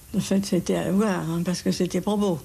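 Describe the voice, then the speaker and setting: Her voice is fairly low with a dark, mellow tone. This woman keeps a fairly even intonation. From Le Havre, Normandy. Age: 80s+. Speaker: war witness. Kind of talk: interview answer. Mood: calm reminiscing. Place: home room.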